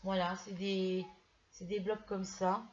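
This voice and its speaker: A woman's voice: medium pitch, level tone, takes it slowly, muffled recording, a little hiss or hum. A middle-aged woman from France chatting casually in a haul video, hesitant and full of restarts as she shows a purchase. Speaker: craft vlogger.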